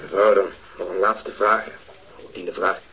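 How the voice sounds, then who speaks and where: An actor playing a patient, methodical police detective in a radio drama. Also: male voice, sits low, flat delivery, normal speed, vocal fry, sharp tone, heavily acted. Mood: polite. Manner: polite, methodical questioning. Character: patient police detective, middle-aged man.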